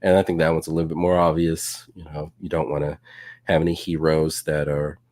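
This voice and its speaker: Brief: male co-host, relaxed and jokey, very deep voice, dry sound. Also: a little fast, no room sound. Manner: relaxed, many fillers, jokey. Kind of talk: casual live-stream discussion.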